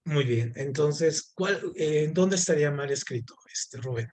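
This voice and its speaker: A man's voice: a little high, a little slow, a little mellow. A man teaching a class, asking students questions and explaining patiently with many fillers. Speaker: Spanish teacher. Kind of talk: online class lesson.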